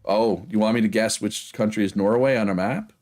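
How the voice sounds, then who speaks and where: Deep-voiced man with Prince Edward Island accent. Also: a little fast, a little mellow. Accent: Prince Edward Island Canadian. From Prince Edward Island, Canada. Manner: rambling, often checks with "right?". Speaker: game livestreamer. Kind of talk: casual livestream chat with viewers.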